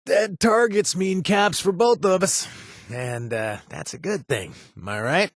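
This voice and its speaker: An actor playing a remorseful former gang member and recovering addict who now runs a bar, talking casually with wry asides and trailing hesitations, recorded in a dry booth. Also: male voice, high voice, animated, unhurried, no echo. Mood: easygoing. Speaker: companion character. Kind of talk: video game voice acting.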